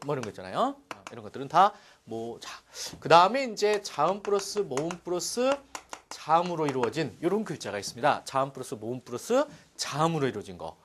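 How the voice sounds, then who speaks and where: A middle-aged man with a slightly high voice gives a Korean language classroom lecture, explaining step by step and checking in with his students. He explains in a lively way, often saying "자" and asking rhetorical checks, and a little hiss or hum can be heard.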